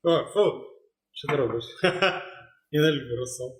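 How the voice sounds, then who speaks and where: A man's voice: mid-range voice, fairly even intonation, fairly quick. A man co-hosting a cocktail show, chatting casually and joking. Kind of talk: casual chat. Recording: echoey room.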